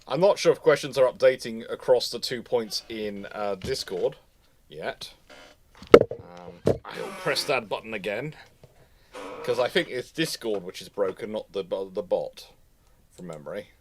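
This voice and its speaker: A man hosting a live history stream in casual chat, with a halting, rambling way of talking that often repeats words. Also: on the low side, expressive, a little hiss or hum. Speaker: host of a live history question show; history lecturer.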